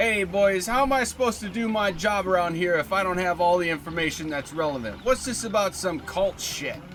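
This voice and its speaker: Over clear background noise, a man shouts in a put-on, gruff character voice pitched high, talking at a fairly quick pace with hardly any pauses. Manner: shouting, blunt.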